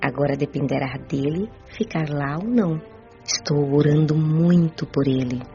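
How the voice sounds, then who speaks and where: Woman voicing sad young spirit woman, quiet, prayerful, dull audio, faint music. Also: low-pitched, moderate pace, natural voice. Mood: sorrowful. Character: sad, devout young woman spirit praying for her father. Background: soft background music.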